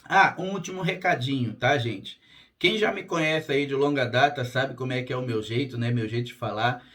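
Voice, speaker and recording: At a moderate pace, a channel host who works as a spiritual therapist speaks casually to camera, his mid-pitched voice hoarse, strained and fairly bright, its raspy edge breaking now and then. He keeps things direct and unfussy, regularly tossing in "tá?"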